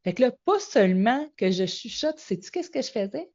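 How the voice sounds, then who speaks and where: At a normal speed and fairly high pitch, a middle-aged Québécoise guest shares her story in a casual interview. She's an animated storyteller who performs the dialogue she quotes, and the recording is slightly muffled and lo-fi.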